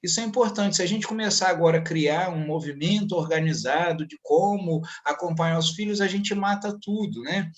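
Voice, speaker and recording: A man talks on a video call in a high, lively voice. He is blunt and swears freely, telling stories in a relaxed conversational way. The call audio is somewhat lo-fi. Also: fairly quick, hardly any pauses. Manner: blunt and profane, animated storytelling. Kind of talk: casual panel conversation.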